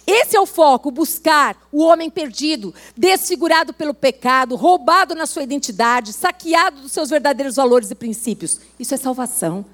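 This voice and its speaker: High-voiced woman preaching a sermon. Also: animated, normal speed, few pauses, a bit bright. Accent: Brazilian Portuguese. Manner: earnest, exhorting, acts out quoted dialogue.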